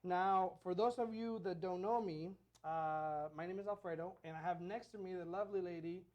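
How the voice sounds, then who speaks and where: A man co-hosting a casual podcast as a real estate agent, relaxed and chatty with many fillers. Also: high-pitched, normal speed, highs cut off. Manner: relaxed, repeats himself, filler-heavy.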